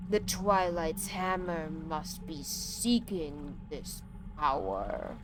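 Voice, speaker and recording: A woman voicing a slow, solemn ancient male tree spirit, drawing out every word as she reads quest text aloud. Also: low voice, background noise, pitched below the performer's own voice. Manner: very slow, drawn-out delivery.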